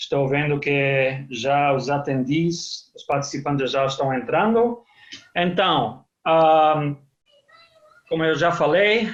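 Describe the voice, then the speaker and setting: This man speaks very slowly with a non-native accent, his fairly high pitch moving with ordinary variation while his loudness swings widely and long pauses come often. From Germany. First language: German (speaking Portuguese). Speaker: immigration lawyer. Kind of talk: webinar presentation. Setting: online webinar. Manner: halting, many fillers.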